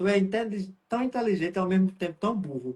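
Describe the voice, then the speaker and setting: The speaker talks at a very fast pace in a northeastern Brazilian accent. The pitch varies in an ordinary way. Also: man. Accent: kept his regional northeastern. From Pernambuco, northeastern Brazil. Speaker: spiritist medium. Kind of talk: live-stream interview conversation. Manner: animated.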